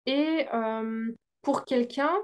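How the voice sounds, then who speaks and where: Woman, young adult, interview guest, fairly high voice, hesitant, pauses often. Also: a little hiss or hum. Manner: hesitant, searching for words with many pauses. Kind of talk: conversational interview.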